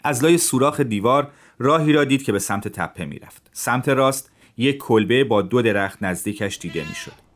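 A man reading a translated classic story aloud as a calm narrator for teenagers. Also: mid-range voice.

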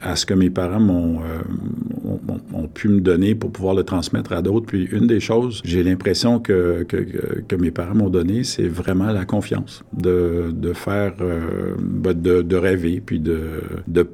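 A middle-aged man with a Franco-Ontarian French accent, a university rector talking casually as a radio guest, relaxed and hesitant, with many restarts. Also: deep voice, measured pace, vocal fry, hardly any pauses, slightly rough. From northeastern Ontario, Canada. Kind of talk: casual interview talk. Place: radio studio.

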